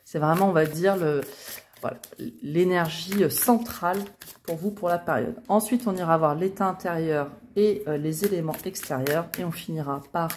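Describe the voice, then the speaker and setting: Speaking at normal speed in a voice on the low side, a woman runs a casual tarot reading for her channel's viewers. She's chatty, tossing in soft asides and frequent fillers such as "euh" and "hein." A bit of hiss or hum is audible.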